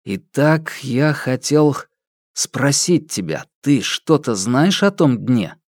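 A blunt, stubborn schoolboy, voiced by a male narrator, speaks curtly and indignantly in a mid-pitched voice. His voice sits a little higher than the narration. The recording is dry and close. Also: sing-song, slow pace, darkish tone, dry recording. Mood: earnest. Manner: curt and indignant. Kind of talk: audiobook character voice.

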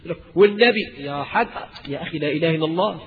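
A man's voice: a little high, rapid-fire, a little hiss or hum. A man with an Egyptian Arabic accent giving a colloquial religious lecture, asking the audience rhetorical questions and rising in emphasis. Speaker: preacher. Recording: dull lecture-hall recording with long reverb.

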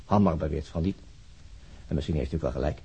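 A man playing a terse, sceptical police inspector in a crime radio drama, matter-of-fact and husky. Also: a bass voice, brisk, dark tone, full character voice. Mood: insistent.

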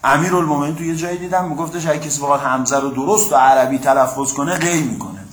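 Male teacher, high voice, lively classroom lecture, keeps prompting listeners, echoey room. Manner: keeps checking with listeners and prompting them to answer; reads Arabic passages, then explains them in plain speech. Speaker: teacher of Quran commentary.

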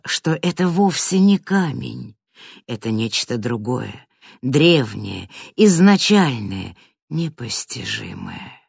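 Audiobook narrator, measured and dramatic, hushed-to-loud swings, dry studio sound. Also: medium pitch, vocal fry, no room sound. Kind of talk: scripted fantasy narration.

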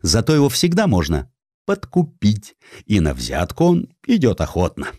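A man reads historical satire as a dramatized audiobook. His voice is on the low side, with highly animated intonation and an ironic, theatrical delivery. The recording is dry. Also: normal speed, dry recording. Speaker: audiobook narrator.

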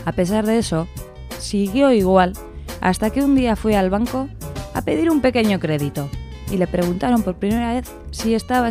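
A woman acting as a calm storyteller in a radio play, telling a cautionary tale at a measured gait. Her voice is mellow and slightly low, with faint music behind it. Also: lightly acted.

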